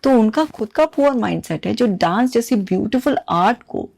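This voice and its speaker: A woman hosting an advice talk, speaking earnestly to viewers with lively emphasis. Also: fairly high pitch, moderate pace, gravelly. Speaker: talk show host.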